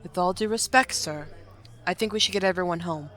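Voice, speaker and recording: A woman's voice: fairly low pitch, fairly quick, a bit bright, lightly acted. An actress playing a sensible, dutiful woman officer in a fan audio drama, speaking with formal, patient restraint. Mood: firm, exasperated. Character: sensible, sober, dutiful female military subordinate.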